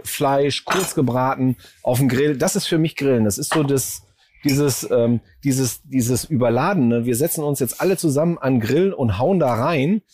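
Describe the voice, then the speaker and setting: A man as guest grill expert, calmly explaining how he grills in a relaxed, casual way. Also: fairly high pitch, slight background noise.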